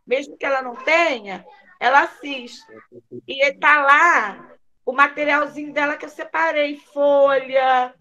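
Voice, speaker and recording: A woman teacher with a Brazilian Portuguese accent, giving a remote literacy lesson to a young child over a call, drilling syllables slowly in a sing-song way. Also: high voice, bright, forceful tone, muffled recording.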